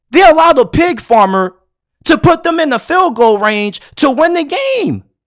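Over a quiet background, a man talks at a moderate pace. His pitch swings very widely. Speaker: sports commentator. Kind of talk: angry rant. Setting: solo video commentary. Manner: indignant, emphatic. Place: home room. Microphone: studio mic.

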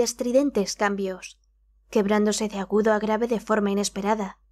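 With a very clean recording and silent background, a woman speaks at a moderate pace in a fairly high, monotone voice with flat intonation. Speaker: audiobook narrator. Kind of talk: dramatic audiobook narration of a gothic story, with character voices. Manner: measured, suspenseful, hushed tone building tension; changes voice for each character, formal and theatrical.

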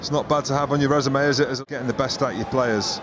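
A man with a fairly high voice speaks while noticeable background noise carries on. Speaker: rugby co-commentator. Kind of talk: live rugby match commentary, analytical replay breakdown. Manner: animated, exclamatory bursts of praise; quick, clipped analytical fragments.

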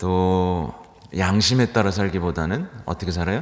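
A man talks in a very deep, low pitch. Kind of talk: homily. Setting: church. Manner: conversational, frequent rhetorical questions.

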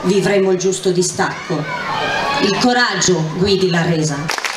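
Over loud background noise and audible room echo, a woman speaks at a fairly slow pace. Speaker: poet reading her work. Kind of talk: event presentation. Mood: calm, measured, solemn. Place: stage. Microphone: handheld.

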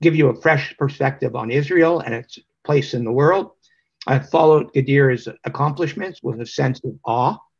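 Against a quiet background, a man speaks somewhat breathily at a fairly slow pace and fairly high pitch, with ordinary pitch variation. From Canada. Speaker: human rights organization director. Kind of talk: event moderation. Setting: video call from hotel room. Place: home room. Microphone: video call.

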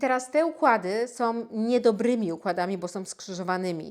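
On a very clean recording with a silent background, a woman with a normal speaking voice talks with ordinary pitch variation. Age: 40s. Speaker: self-development coach. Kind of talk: educational video monologue.

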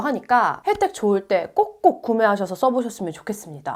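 A woman talks with very wide pitch swings. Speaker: beauty vlogger. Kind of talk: product review monologue. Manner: upbeat, fast-paced, animated.

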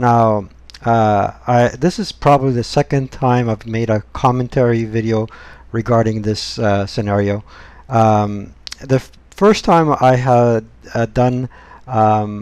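A man speaks at a very slow pace with fairly even intonation, the sound dry with no echo. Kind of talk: commentary. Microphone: webcam.

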